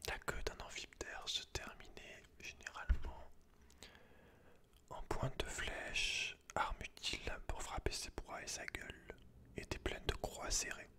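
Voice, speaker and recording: Guy whispering asmr, reading stuff out all hushed and breathy. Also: unhurried. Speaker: ASMR creator. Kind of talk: whispered ASMR read-aloud with casual asides.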